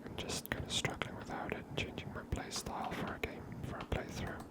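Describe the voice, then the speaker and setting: Whispering woman, ASMR game host. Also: brisk. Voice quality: breathy whisper. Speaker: gaming host.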